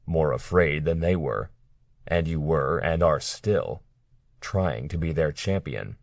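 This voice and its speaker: A man voicing a cold, menacing male captor in an audiobook, speaking quietly and mockingly. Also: a bass voice, slow, gravelly, no echo, studio quality, full character voice. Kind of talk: audiobook character reading.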